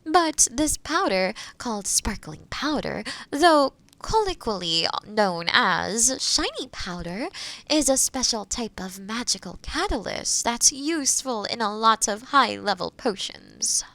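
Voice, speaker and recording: Woman acting as a kind forest witch, soft n slow, bit of creak, talks you gently thru her potion brewing. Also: on the high side, sing-song, no echo, heavily acted. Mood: cheerful, explaining. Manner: soft, caring, hesitant, explaining patiently. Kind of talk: roleplay audio addressed to the listener.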